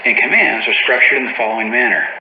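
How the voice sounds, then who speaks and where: A man's voice: medium pitch, fast. Male tutorial narrator, procedural and matter-of-fact, reading from a script; lo-fi, echoey sound. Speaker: tutorial narrator for a flight simulator. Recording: dull, roomy lo-fi audio with faint noise.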